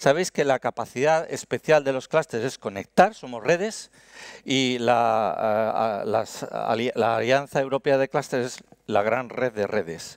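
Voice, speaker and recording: Against a quiet background, a man speaks fairly slowly with lively intonation in a dry sound with no echo. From Basque Country, Spain (Hernani, Gipuzkoa); Basque Country, Spain. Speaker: business association president; conference speaker. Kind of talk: conference talk. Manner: halting, frequent repetitions. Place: hall. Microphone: headset.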